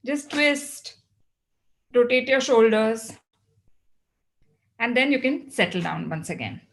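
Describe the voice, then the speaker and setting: A woman with a South Asian accent speaks in a fairly high voice as she gives a motivational talk. She is instructive, setting out points and putting questions to her listeners that she then answers. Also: lively intonation, slow. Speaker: well-being speaker addressing a group.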